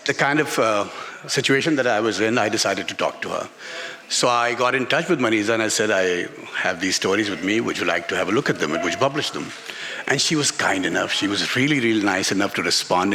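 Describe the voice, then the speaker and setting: A man speaking as a guest author at a live book talk, telling a candid personal story in a halting, reflective manner. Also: on the low side, sharp tone. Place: literature festival stage before an audience.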